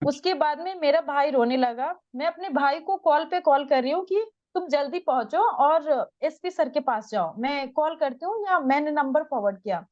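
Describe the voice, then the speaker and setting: Young woman from Bihar, high pitch, dry and slightly dull recording, distressed interview testimony. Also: lively intonation, moderate pace, darkish tone, dry recording. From Bihar, India. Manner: urgent, distressed retelling, addresses the interviewer as sir.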